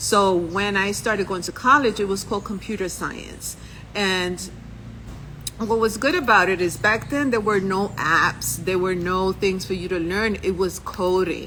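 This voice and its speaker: A woman speaks at a fairly slow pace in a medium pitch, with a slight New York accent. Her intonation is fairly even, and there is noticeable background noise. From New York City, Puerto Rican family. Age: 60s. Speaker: business coach. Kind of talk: live stream talk. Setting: livestream, wearing earbuds.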